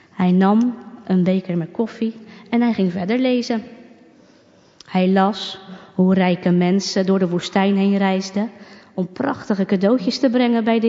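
A woman calmly reading a storybook aloud, unhurried, with small slips. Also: mid-range voice. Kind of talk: storybook narration read aloud. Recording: dull recording with long reverb.

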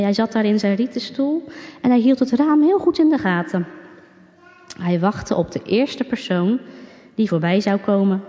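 A woman calmly reading a storybook aloud, unhurried, with small slips. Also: medium pitch. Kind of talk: storybook narration read aloud. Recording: dull recording with long reverb.

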